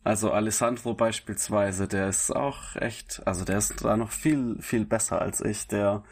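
A man who sings, with a raspy, smoky voice, talking in a relaxed interview and often correcting himself with small laughs. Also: fairly low pitch, moderate pace. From grew up bilingual German-Italian. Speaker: singer, interview guest.

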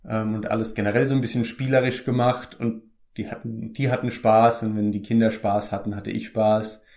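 A man's voice: lowish voice, level tone, brisk, a little mellow. A young man, an actor from the Palatinate in Germany, chatting casually in an interview, easygoing and full of hesitant fillers and restarts.

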